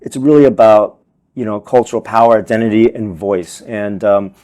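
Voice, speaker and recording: A Vietnamese-born man raised in America, a film director and teacher, answering interview questions in an earnest, animated way with many repeated words. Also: fairly low pitch, moderate pace. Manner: earnest, animated, repeats words and says "you know" often.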